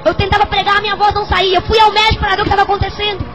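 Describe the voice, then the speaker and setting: A woman with a hoarse voice and a Brazilian accent, giving an impassioned, repetitive church testimony as a fervent Pentecostal preacher. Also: extremely high pitch, little pitch movement, rapid-fire, music in the background. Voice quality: hoarse, husky.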